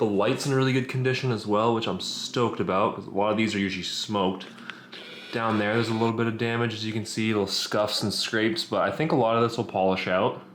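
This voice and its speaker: A man talks very fast at a medium pitch. Audible room echo and noticeable background noise surround him. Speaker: car enthusiast vlogger. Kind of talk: casual vlog unboxing. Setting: at home. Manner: loud; animated.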